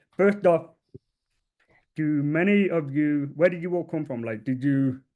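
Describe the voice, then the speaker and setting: This man speaks with a British accent. His pitch sits fairly high. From UK. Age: 20s. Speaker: street and travel photographer, presenter. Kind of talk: webinar presentation. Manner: casual, halting.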